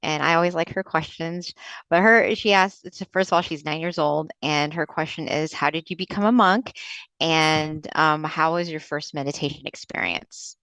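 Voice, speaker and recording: A woman moderating a video call, reading out viewer questions politely and hesitantly, with many pauses. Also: low voice, no room sound, rough recording. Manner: soft-spoken, many ums and pauses. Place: room indoors.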